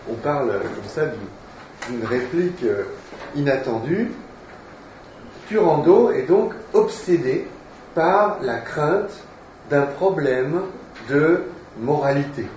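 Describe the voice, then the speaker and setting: A man's voice: fairly high pitch, expressive, takes it slowly, darkish tone, a little hiss or hum. Hesitant male teacher in an echoey hall. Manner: hesitant, many fillers, explanatory. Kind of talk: literature lecture, reading aloud. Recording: echoey room, distant mic, dull sound.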